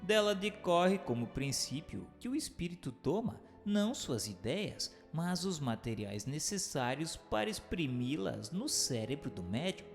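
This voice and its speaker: A man reads a scripted book for radio in a formal, measured, didactic way. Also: a little high, big pitch swings, vocal fry, faint music behind. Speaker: narrator.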